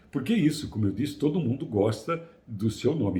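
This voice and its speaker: The man's voice sounds somewhat breathy. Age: 60s. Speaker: psychiatrist. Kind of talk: motivational talk. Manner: animated.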